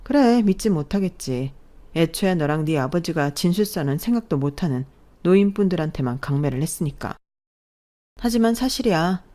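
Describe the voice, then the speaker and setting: A woman telling her own story in calm, measured first-person narration. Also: lowish voice.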